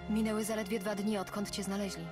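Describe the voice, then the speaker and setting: A woman's voice: mid-range voice, level tone, fast, lightly acted. An actress playing a caring female companion in a fantasy video game, with music behind her. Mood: gentle concern.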